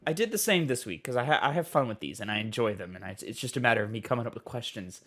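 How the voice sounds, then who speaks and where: A man co-hosting a casual gaming podcast, telling stories in an animated way and laughing often. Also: mid-range voice, very fast. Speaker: podcast co-host running the minigame. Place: podcast recording, indoors.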